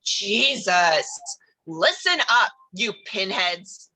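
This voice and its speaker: An actress playing a skeptical, sarcastic, blunt teenage girl with a husky voice in a horror comedy script read. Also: medium pitch, very animated, very slow, pushed and bright, no echo, full character voice, rough recording. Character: Vicky, skeptical, exasperated, sharp-tongued teenage girl.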